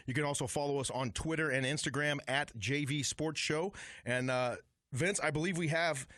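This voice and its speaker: A man co-hosting a sports radio talk show with a smooth, announcer-like delivery. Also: on the high side, moderate pace, fairly bright tone, dry recording, clean studio sound.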